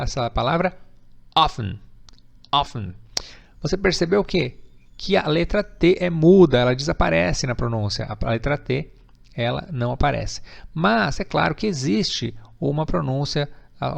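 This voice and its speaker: A Brazilian man with a Brazilian Portuguese accent teaching English pronunciation, explaining patiently, repeating words slowly and often checking with "ok?". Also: mid-range voice, vocal fry. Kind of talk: pronunciation lesson.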